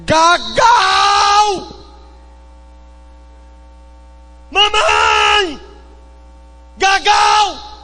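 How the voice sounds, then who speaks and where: A man's voice: very high voice, big pitch swings, extremely slow, pushed and bright, shouting, soft background music, pitched above the performer's own voice, heavily acted. A preacher doing a whiny little thirsty boy. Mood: demanding. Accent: Northeastern Brazilian. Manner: whiny, tearful pleading. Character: small thirsty boy, whining and crying for his mother.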